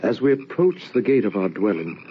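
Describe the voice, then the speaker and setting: An actor playing a grieving son telling of his haunting, in measured old radio drama style on a dull lo-fi recording. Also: on the low side, very animated, slight background noise. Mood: somber. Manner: somber, measured storytelling. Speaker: narrator. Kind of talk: 1940s radio acting.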